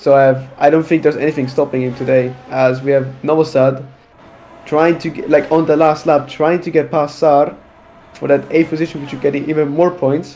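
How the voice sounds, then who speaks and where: Monotone, flat delivery with a non-native accent at a fairly quick pace, music playing behind. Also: man, fairly high pitch for a man. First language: not English. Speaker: sim racing commentator. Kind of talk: live commentary.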